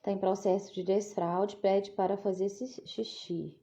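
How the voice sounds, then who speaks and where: A woman's voice: mid-range voice, level tone, measured pace, mellow, muffled recording. A woman, a psychologist answering viewer questions in a chatty live talk, often checking in with "né?". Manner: chatty, often asks "né?", talks to viewers as "gente". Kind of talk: casual live Q&A.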